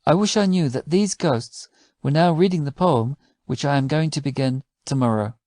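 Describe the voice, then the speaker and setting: A man's voice: a little high, moderate pace, darkish tone, no room sound, studio quality, lightly acted. A man reading the part of an earnest, wistful poet in a storybook, with formal, old-fashioned phrasing. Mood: musing. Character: earnest, wistful male poet, gently argumentative.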